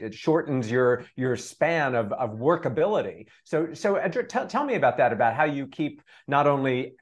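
A man co-host with a mid-range voice asks long, meandering questions. He pauses and restarts often, padding with fillers. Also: mid-range voice. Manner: halting, winding questions with many fillers. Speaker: podcast co-host. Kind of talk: interview questions.

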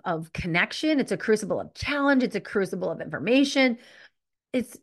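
A middle-aged woman hosting a solo podcast, telling a personal story candidly and reflectively, often stopping to correct herself. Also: mid-range voice. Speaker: podcast host.

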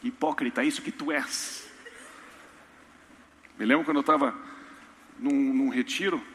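A man preaching a sermon in a church, humorous and storytelling with lively asides. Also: mid-range voice, measured pace, a little hiss or hum. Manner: storytelling, humorous, animated impressions. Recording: reverberant church hall.

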